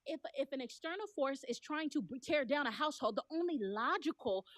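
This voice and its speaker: A woman's voice: sits high, lively intonation, brisk. A woman arguing as a guest in a heated live debate, insistent, cutting across the host and tripping over repeated words.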